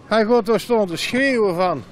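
High-pitched man, blunt market talk. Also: normal speed. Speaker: market vendor being interviewed. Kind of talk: casual, colloquial chat. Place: canvas market stall outdoors. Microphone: handheld interview microphone. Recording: market stall with faint noise.

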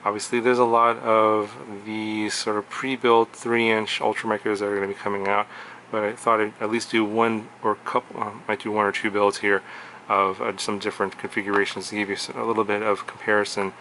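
A man with a low, fairly flat voice talks through a casual product review at his workbench, relaxed and rambling, with plenty of ums and restarts. His tone is bright and forceful, and a faint room ambience sits behind him. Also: brisk, a little hiss or hum. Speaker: drone review host. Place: indoor workshop desk.

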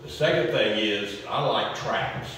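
A man's voice: on the low side, a little slow, a bit bright, slight background noise. An older man sharing earnest advice with a church group, often restarting his sentences. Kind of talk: group discussion. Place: church fellowship hall. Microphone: far camera. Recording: echoey hall from far off.

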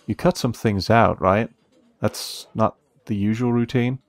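An actor playing a friendly, protective young café worker in a romance audio roleplay, curious and admiring, gently teasing with hesitant pauses. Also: male voice, fairly low pitch, no room sound. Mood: curious, sympathetic. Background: soft guitar music.

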